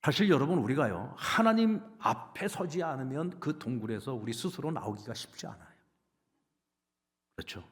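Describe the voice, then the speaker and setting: A male pastor giving an emphatic, animated sermon. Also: mid-range voice, normal speed. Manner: emphatic, animated preaching with acted quotes.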